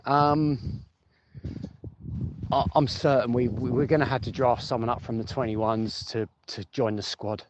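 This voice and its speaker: A man's voice: medium pitch, steady tone, unhurried. A man gives informal football fan reaction, chatting and thinking aloud, repeating phrases for emphasis. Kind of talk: informal voice note commentary for a fan podcast. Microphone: phone voice message. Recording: muffled lo-fi voice note, noisy, clicks.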